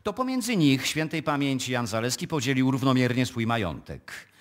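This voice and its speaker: Male notary, played by an actor: officious, discreet, medium pitch with wide swings, radio drama. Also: very animated, close to an everyday voice. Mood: formal, official. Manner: measured, formal, officious. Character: formal, discreet male small-town notary. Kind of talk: live radio play acting.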